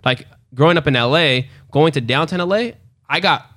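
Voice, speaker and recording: A man's voice: a little high, moderate pace, pushed and bright, no echo, clean studio sound. Laid-back slangy podcast host man. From Los Angeles. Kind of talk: casual podcast chat.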